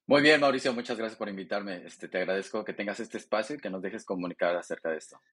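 A man in his thirties from Mexico, speaking as a veterinarian guest and filling pauses with "este". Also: fairly low pitch, fairly bright tone, slightly rough. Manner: conversational, fills pauses with "este". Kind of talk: interview testimony.

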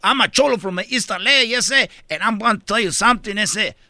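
Man playing a swaggering East LA cholo, lower and hushed, drawl that keeps saying "ese", East Los Angeles accent. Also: full character voice. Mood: tough boasting. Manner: slow drawl, tags "ese" on every phrase, mixes English and Spanish. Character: tough East LA cholo man, boastful gang type.

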